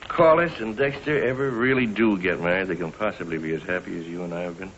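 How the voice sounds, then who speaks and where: A man's voice: deep voice, quick pace, muffled recording, slight background noise. An actor playing a fond, teasing middle-aged father in 1940s radio acting on an old broadcast. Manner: gentle, teasing.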